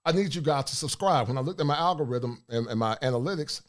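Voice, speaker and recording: Middle-aged male livestream host, deep forceful voice, preachy monologue. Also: lively intonation, fast talker. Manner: forceful, preachy, reads chat aloud. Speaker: host of a livestream talk show.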